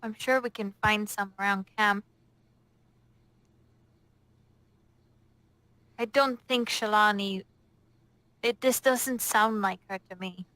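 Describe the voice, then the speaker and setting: A woman's voice: medium pitch, steady tone, a little slow, bright, forceful tone, no echo, rough recording. A woman playing a cautious, concerned female adventurer in a conversational manner during a tabletop game.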